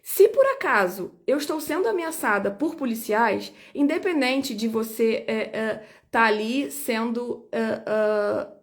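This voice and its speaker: A woman's voice: on the high side, animated, a little slow. A woman lawyer speaking straight to her viewers about her own detention. She talks emphatically and indignantly, and repeats her points to drive them home. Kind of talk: personal video statement.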